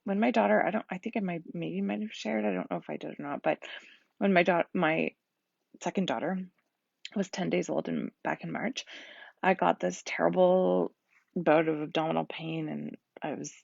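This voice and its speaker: Husky worn-out woman chatting live from home, dry close sound, talks openly and laughs a lot. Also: lowish voice, fairly even intonation, normal speed, darkish tone, no echo. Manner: candid, rambling, laughs often. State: husky, tired voice. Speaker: host of a live stream. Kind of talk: casual live stream talk. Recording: dull lo-fi sound.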